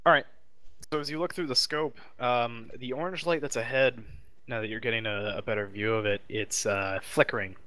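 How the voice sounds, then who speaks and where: A man narrating a tabletop role-playing game as game master, improvising haltingly as he searches for words. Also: medium pitch, steady tone, pushed and bright.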